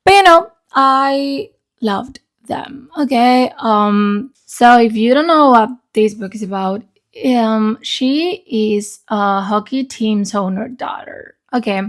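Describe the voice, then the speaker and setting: A book reviewer who hosts a video channel gives a casual, chatty review in a slightly high voice at a slow pace. She is informal and sweary, often checking in with "okay?", and her voice sounds grainy and unstable as she recovers.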